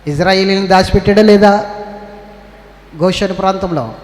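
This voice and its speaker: A man's voice: sits high, normal speed. A male pastor with a Telugu accent preaching a church sermon. He calls on the congregation to respond, scolds and exhorts them. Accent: Telugu, Andhra Pradesh. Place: church hall. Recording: echoey church hall with faint ambience.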